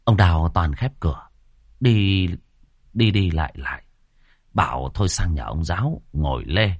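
A male storyteller narrates a village ghost tale with dramatic expression. His voice is fairly low and swings widely in pitch. The recording is close and dry. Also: animated, unhurried, husky, dry recording.

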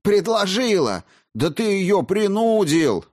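A man voicing an angry young princess who hisses and shouts in contempt, reading a storybook scene. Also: medium pitch, normal speed, husky, voice pushed up, close to an everyday voice. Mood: furious. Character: furious young woman, a princess, scornful.

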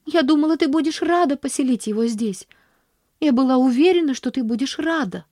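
A woman's voice: high voice, lively intonation, a little fast, warm tone, no room sound, studio quality, voice pushed up. A woman voicing an earnest, cheerful little girl who talks in a breathless, pleading sing-song. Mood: dismayed.

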